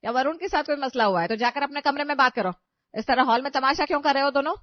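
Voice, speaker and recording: A woman's voice: on the high side, expressive, brisk, no room sound, lightly acted. A woman voicing an aging, long-suffering mother-in-law in a cartoon story, who pleads and scolds in exasperation. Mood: scolding. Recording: dry, slightly dull audio.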